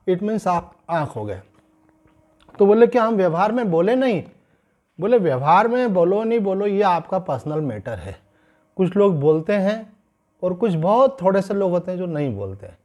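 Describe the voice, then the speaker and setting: A man gives a spiritual discourse in a fairly high voice. He explains patiently, in the manner of a sermon, and slows down to stress key points. Now and then he mixes English phrases into his teaching. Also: darkish tone. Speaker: swami giving a scripture discourse.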